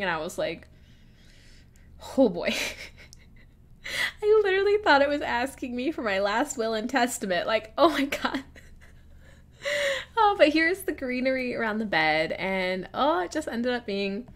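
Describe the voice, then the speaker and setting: Young woman, 20s, chatty vlog voiceover, giggly, filler-heavy. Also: fairly high pitch. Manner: bubbly, giggly, lots of "like". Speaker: speed-build vlogger. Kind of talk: casual storytelling voiceover. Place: home room.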